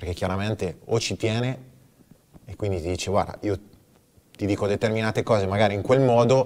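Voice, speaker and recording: Speaking at a moderate pace with long, frequent pauses, a man uses a fairly low pitch and ordinary pitch variation. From Italy. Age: 30s. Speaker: basketball team manager, former player; guest. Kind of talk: TV sports talk show interview. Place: studio.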